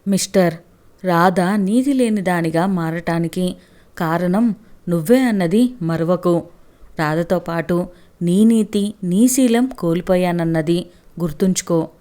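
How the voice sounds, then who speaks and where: A woman voicing a righteous young man who argues earnestly and forcefully on behalf of a wronged woman in a storybook reading. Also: lowish voice, slow pace. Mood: accusing.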